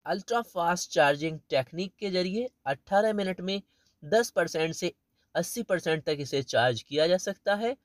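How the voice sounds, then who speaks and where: Man, 30s, auto vlog host narrating an expo stand; slightly high pitch, dry sound, rattles off specs. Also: animated, normal speed, dry recording. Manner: reeling off feature lists. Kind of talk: walkaround car show narration. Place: large indoor expo hall.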